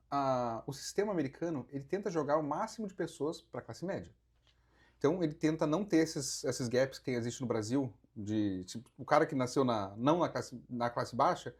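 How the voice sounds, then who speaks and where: A man's voice: mid-range voice, slightly rough. A Brazilian man with a Brazilian Portuguese accent, a podcast guest who explains real estate investing with rhetorical questions. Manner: explanatory, counts through figures, asks rhetorical questions. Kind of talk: casual podcast conversation.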